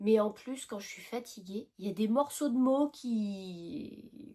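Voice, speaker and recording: A woman's very slow, somewhat breathy voice, fairly high in pitch, with a dark, mellow tone, ordinary pitch variation and big swings in loudness. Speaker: cross-stitch YouTuber. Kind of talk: casual vlog talk to camera. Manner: hesitant with many fillers.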